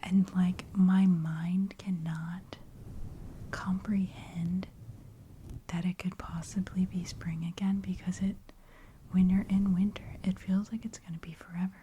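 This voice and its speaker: A woman in her thirties giving a soft, encouraging whispered ramble for ASMR, full of "like" fillers, close on the mic. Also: on the low side, flat delivery, unhurried, slight background noise. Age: 30s. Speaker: ASMR creator. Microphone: close studio mic with brushing.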